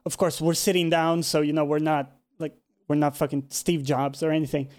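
A man hosts a relaxed interview over a video call with a fairly high voice. He chats freely, thinks out loud, and drops the occasional casual swear. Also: fairly quick. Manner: friendly, chatty, swears casually. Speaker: interview host, YouTube channel.

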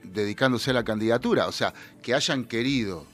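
A man from Buenos Aires province with a Rioplatense accent, co-hosting a casual talk radio chat and giving blunt, slangy opinions with quick retorts. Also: mid-range voice, soft background music. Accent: Rioplatense Spanish. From Buenos Aires province, Argentina. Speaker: radio co-host.

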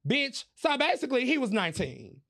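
A man hosting a podcast, telling a story in casual chat, animated and profane, laughing as he goes. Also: very high voice, brisk, creaky. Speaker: podcast host.

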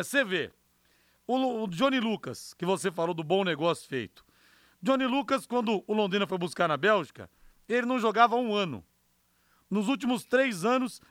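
A man's voice: high-pitched, fairly bright tone, no echo, studio quality. A man with a Brazilian accent hosting live sports talk on the radio, emphatic with conversational asides. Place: radio studio.

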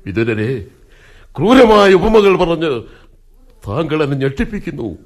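A troubled old king in a radio play, his voice slightly raised in pitch. He probes his advisor warily, suspicious and afraid for his sons. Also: very animated, unhurried, soft background music. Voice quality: wary, probing, troubled. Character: blind old king Dhritarashtra, anxious and suspicious. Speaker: radio drama actor. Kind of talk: 1980s Malayalam radio drama acting.

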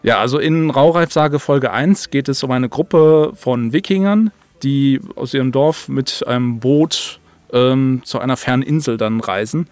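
A man's voice: mid-range voice, a little slow, darkish tone, no room sound, soft background music. A man as an interview guest, an audio drama writer, explaining things in casual chat.

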